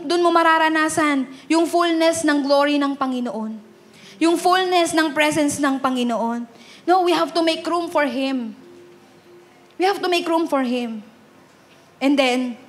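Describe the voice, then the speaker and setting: Young Filipino woman pastor, high-pitched, preaching in a mix of Tagalog and English. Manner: mixes Tagalog and English, asks "Amen?" and "Di ba?". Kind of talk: sermon.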